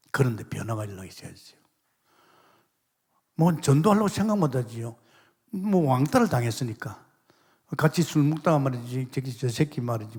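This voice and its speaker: Middle-aged Korean pastor preaching in a reverberant hall. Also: male voice, medium pitch, gravelly, husky. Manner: emphatic preaching with sudden loud exclamations and hushed asides; testimony storytelling, acts out quoted voices. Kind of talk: sermon. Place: large church sanctuary.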